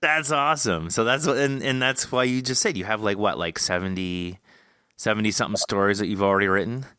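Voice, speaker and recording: Bright, low-voiced man hosting a chat. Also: brisk, clear, resonant tone, no room sound, clean studio sound. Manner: enthusiastic, encouraging, informal. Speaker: podcast host interviewing an author. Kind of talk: casual interview chat.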